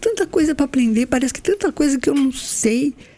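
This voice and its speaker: Speaking at a moderate pace, a woman with a high pitch and a dark, mellow tone makes very wide pitch swings. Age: 60s. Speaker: podcast co-host on senior life. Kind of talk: casual chat.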